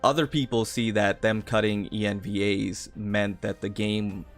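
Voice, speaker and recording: Low-voiced man hosting a casual stream. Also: a little slow, soft background music. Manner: steady, agreeable, leads with questions. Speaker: livestream host. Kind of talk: casual livestream discussion.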